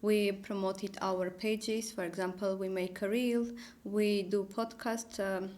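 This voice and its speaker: A woman's voice: mid-range voice, fairly even intonation, darkish tone. Young woman co-hosting. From Armenia. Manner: halting, simple phrasing with fillers. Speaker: podcast co-host. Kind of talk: casual podcast chat. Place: small studio.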